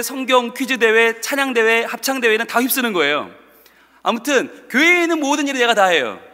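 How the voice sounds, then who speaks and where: A male pastor telling a story in a sermon, animated, acting out the voices of the people in it, in a church sanctuary. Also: high voice, long reverb tail. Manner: animated, acts out quotes.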